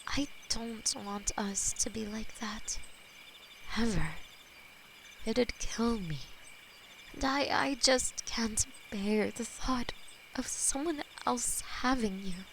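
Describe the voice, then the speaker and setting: A woman voicing a possessive, tender female demon lover, whispering softly and haltingly in an audio roleplay. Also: a little high. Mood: devoted. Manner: soft intimate whispering, halting. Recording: steady cricket and night noise behind.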